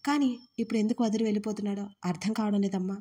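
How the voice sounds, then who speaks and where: A woman voicing a worried, fatherly older man who speaks softly and pleads affectionately in an audio story. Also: medium pitch, fairly even intonation, racing, husky, lightly acted. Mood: gentle.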